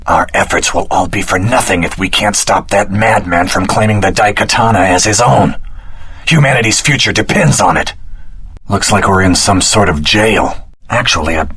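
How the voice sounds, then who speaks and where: Low, husky, earnest video game hero. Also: male voice, bright, forceful tone, full character voice. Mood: serious, thoughtful. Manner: earnest, heroic, dramatic delivery. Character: earnest, determined young male hero fighting a tyrant.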